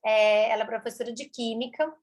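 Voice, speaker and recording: Mineira lady, speech therapist guest, kinda high voice, explains stuff all lively and repeats herself for emphasis. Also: brisk. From Brazil. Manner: animated, repeats words for emphasis. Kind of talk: explanatory interview talk.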